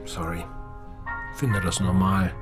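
Radio play role: a mysterious, unruffled bartender, very low voice, few words, matter-of-fact. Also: male voice, fairly even intonation, takes it slowly, over music. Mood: calm, laconic. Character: laid-back, enigmatic male barkeeper of a dreamlike bar. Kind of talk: naturalistic radio drama acting.

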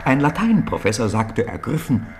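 A man narrating a German children's radio play as an expressive, deliberate storyteller. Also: mid-range voice, creaky, slight background noise.

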